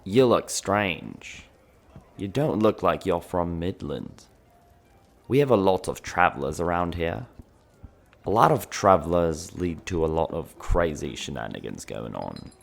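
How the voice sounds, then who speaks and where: Man playing a gravelly, low-voiced tavern storyteller. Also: big pitch swings, a little slow, full character voice. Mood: ominous, secretive. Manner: conspiratorial, dramatic, addressing the listener directly. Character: male tavern owner, gossipy storyteller of a dark fantasy town. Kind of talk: fantasy ASMR roleplay storytelling.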